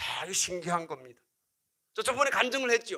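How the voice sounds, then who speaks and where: A man speaks in a raised, projected voice with an animated tone. His tone is bright and sharp, and his pitch swings very widely. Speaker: pastor. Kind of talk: sermon. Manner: fast.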